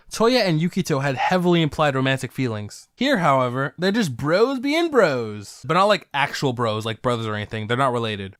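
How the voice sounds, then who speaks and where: A man's voice: fairly high pitch, no room sound, studio quality. A young man hosting a comedic review video, sarcastic with jokey asides. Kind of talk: comedic narration.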